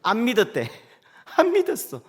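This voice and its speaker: A middle-aged man preaching a sermon as pastor, dramatic, moving from loud declarations to soft asides. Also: very high-pitched, wildly swooping pitch, measured pace, slightly rough.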